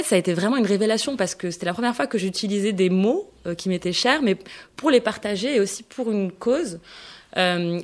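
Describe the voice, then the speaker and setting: A woman in her thirties, a novelist guest on a local radio show, speaking at a medium pitch. She answers thoughtfully but haltingly, with frequent fillers and restarts as she searches for words. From Morocco. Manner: hesitant, many fillers and restarts.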